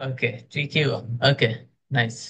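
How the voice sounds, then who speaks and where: A man's voice: mid-range voice, normal speed, a little hiss or hum. A man with a Bangladeshi accent giving spoken feedback to students in an online speaking class. He says "ah" often and mixes Bangla with English. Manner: relaxed, many "ah" fillers, mixes Bangla and English. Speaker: speaking club instructor. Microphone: video call.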